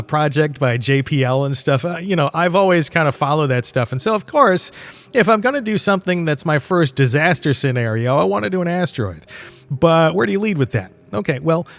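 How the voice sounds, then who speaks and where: Podcast host: middle-aged male, slightly high register, loose and chatty solo rambling, animated, music underneath. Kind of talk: casual rambling podcast monologue.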